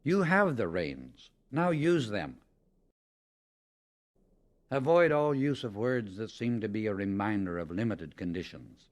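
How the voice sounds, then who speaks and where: A man narrating a scripted spiritual audiobook in a measured, emphatic, instructional manner. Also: medium pitch.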